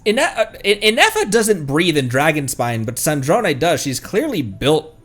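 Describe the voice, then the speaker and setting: A man's voice: fairly high pitch, big pitch swings, moderate pace, a bit bright, soft background music. A man chatting casually on a livestream as the streamer, playful and rambling.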